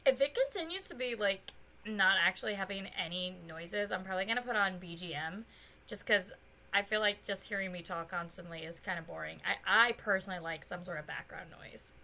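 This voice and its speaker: A young adult woman streaming a game, talking casually and rambling, her voice still slightly hoarse and not fully recovered, with bursts of excited squealing. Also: medium pitch, fairly quick. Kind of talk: casual let's-play chat. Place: home streaming setup.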